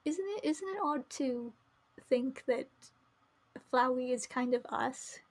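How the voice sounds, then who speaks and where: A woman hosting a game livestream, chatting casually and thinking aloud in a musing, halting way. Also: high voice, expressive. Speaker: livestream host playing a visual novel. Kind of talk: casual livestream commentary and chat.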